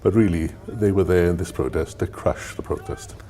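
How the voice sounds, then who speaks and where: Very deep-voiced man in his sixties. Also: moderate pace, mellow. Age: 60s. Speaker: interviewee, former police officer. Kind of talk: documentary interview.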